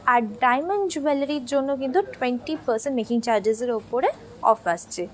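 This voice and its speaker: Young woman, live-stream sales host, bright high voice, casual and chatty, mixes languages, answers viewer comments as she goes. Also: a little fast, slight background noise. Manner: chatty, switching between Bengali, Hindi and English; reads viewer comments aloud and answers them.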